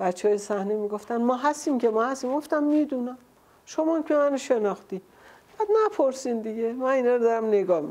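A woman speaks with a Tehran accent in a dark, mellow tone. Her pitch varies in an ordinary way. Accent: Tehran Persian. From Tehran, Iran. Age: 80s+. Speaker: actress, radio presenter and dubbing artist. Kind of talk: interview answer. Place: home room.

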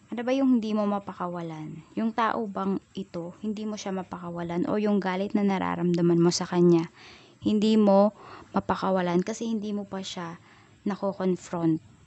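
Here a woman speaks with a normal speaking voice at medium pitch. She keeps a moderate pace and fairly even intonation. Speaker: tarot reader. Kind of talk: tarot reading monologue. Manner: casual, conversational.

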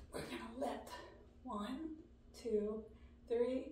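A woman's voice carries audible room echo, along with light noise in the background. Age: 60s. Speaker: fitness instructor. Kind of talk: workout instruction. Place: home room.

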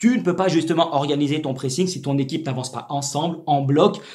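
Someone talks at a moderate pace with ordinary pitch variation. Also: man. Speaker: football fan channel host. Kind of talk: angry rant, football debrief. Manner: furious, exasperated, sarcastic, loud, exclamatory; colloquial, theatrical, mocking, insult-laden. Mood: frustrated, sarcastic.

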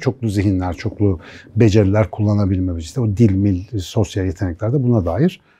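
Somewhat breathy, a man talks with a fairly low pitch and a dark, mellow tone. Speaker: podcast co-host, academic. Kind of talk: casual chat. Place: studio. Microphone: lapel.

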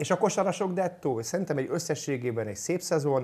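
A man at a very fast pace with lively intonation. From Hungary. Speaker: sports journalist. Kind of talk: casual chat. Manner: halting. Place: studio.

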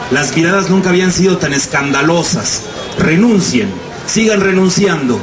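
Shouting in a solemn tone at a fairly slow pace, over noticeable background noise. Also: man. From Mexico. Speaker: poet and filmmaker. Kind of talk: poem performed with intense, declamatory delivery. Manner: impassioned, solemn, rising to a defiant shout. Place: street.

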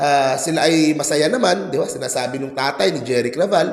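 Noticeable background noise and audible room echo both accompany this man's speech. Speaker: showbiz gossip vlogger. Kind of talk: casual commentary monologue.

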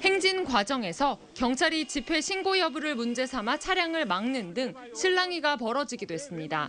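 Over noticeable background noise, a woman with a high voice speaks at a moderate pace with very wide pitch swings and hardly any pauses. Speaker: news reporter. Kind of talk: news report.

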